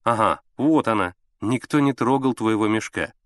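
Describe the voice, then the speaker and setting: A man reading an audiobook, voicing a tired, caring mother who speaks gently and wearily. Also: on the low side, normal speed, no room sound, clean studio sound, close to an everyday voice. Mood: weary.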